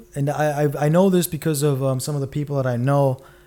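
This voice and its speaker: Speaking at a moderate pace, the man has a fairly high pitch, a dark, mellow tone and fairly even intonation. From Malawi. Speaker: podcast host. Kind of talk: casual solo monologue. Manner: halting, many fillers.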